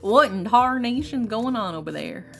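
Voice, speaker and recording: Young Texan woman streamer, loose and rambly, slight fry, soft music underneath. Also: fairly high pitch, expressive, normal speed. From Texas. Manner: rambling, filler-heavy, swears casually. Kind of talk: casual stream chat. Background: lofi music.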